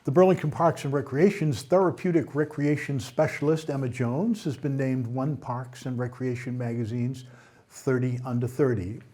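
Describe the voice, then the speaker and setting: A man with a mid-range voice reads a local news roundup at a moderate pace. His anchoring is steady, though he slips now and then and corrects himself.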